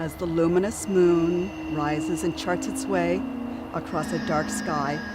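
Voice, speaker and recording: This woman speaks at a fairly slow pace. Noticeable background noise can be heard behind her. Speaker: author reading her own book. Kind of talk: ghost story reading, read aloud outdoors at a cemetery. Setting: outdoors at a cemetery.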